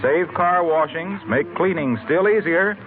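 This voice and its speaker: A man as a 1940s radio announcer with a brisk, salesy delivery. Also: fairly high pitch. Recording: tinny old radio with faint music.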